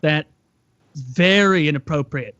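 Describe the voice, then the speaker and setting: High-voiced wry man, dry sound. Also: unhurried, fairly bright tone, no echo, lo-fi sound. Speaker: podcast co-host. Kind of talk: casual podcast banter.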